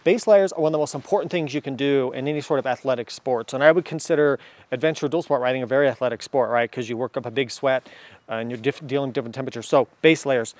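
A man's voice: medium pitch, fast talker, darkish tone, no room sound. A man in his thirties giving a casual, enthusiastic motorcycle gear review to camera outdoors, with lots of fillers. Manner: enthusiastic, chatty, many fillers.

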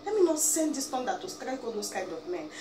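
Young woman, Nigerian Igbo accent, high-pitched, emphatic pleading rant, roomy room, noisy distant camera. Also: big pitch swings, a little fast. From Nigeria, Abia State. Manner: emphatic, pleading, peppered with "eh?" and "biko". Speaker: vlogger. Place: small indoor room, seated in chair. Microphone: camera a few feet away.

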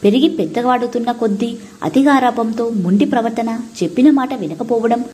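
A woman narrating a moral story for an audiobook in a steady, measured way. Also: on the high side.

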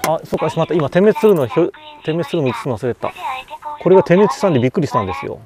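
A man's voice: fairly high pitch, big pitch swings, very fast, crowd noise, poor audio. A man live-streaming from a roadside on a bike trip, chatting casually and reacting to viewer comments. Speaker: cycling livestreamer. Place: roadside vending machine outdoors on a mountain road. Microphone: action camera and webcam.

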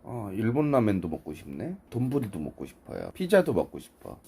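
Husky man streaming sick from bed. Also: on the low side, wildly swooping pitch, brisk, darkish tone. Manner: swearing, talking to his dog, reading chat. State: sick with a cold, coughing. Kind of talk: casual live-stream chat. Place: lying in bed at home.

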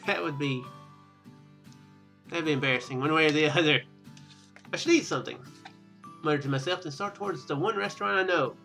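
A man's voice: fairly high pitch, moderate pace, vocal fry, long pauses, bright, forceful tone. A young man hosting a casual game playthrough, reading narration aloud and commenting, sometimes stumbling over words and rereading them. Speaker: let's play host. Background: game music.

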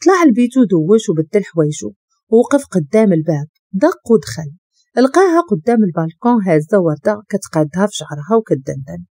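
Expressive Moroccan woman storyteller. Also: mid-range voice, fast, no room sound, clean studio sound. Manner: steady expressive narration. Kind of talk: story narration.

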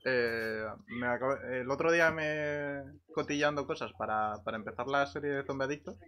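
A man from Spain chatting casually as a gaming streamer. His voice is bright and forceful at a medium pitch. He is jokey and excitable with his group. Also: normal speed, smooth. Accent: Spanish, from Spain. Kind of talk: casual gamer banter in voice chat.

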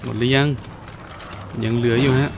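A man's voice: mid-range voice, fairly even intonation, moderate pace, background noise. A man giving casual, playful let's-play commentary, full of exclamations and his own vocal sound effects. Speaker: gaming video host.

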